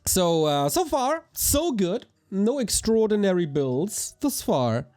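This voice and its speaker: A man with a hoarse voice, casting a live strategy game match in an energetic, chatty way while thanking viewers. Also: high voice, slow pace, soft background music. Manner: energetic, chatty, talks to chat. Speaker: esports caster. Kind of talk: live game commentary with chat shout-outs.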